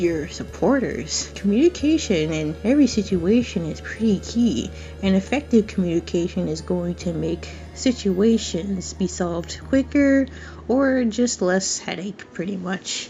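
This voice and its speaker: A soft-spoken woman at a fairly slow pace with music in the background. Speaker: gaming commentary YouTuber. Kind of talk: casual commentary rant to camera. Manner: shy, soft-spoken.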